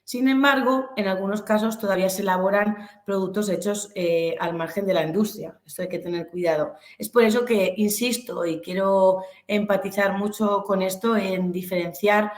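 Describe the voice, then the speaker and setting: Giving a relaxed online lecture, a Castilian-accented woman from Albacete, Castilla-La Mancha, works as a webinar presenter teaching business. She talks at a moderate pace in a mid-range voice with hardly any pauses, though she explains haltingly and gropes for words. The recording has an echoey room sound.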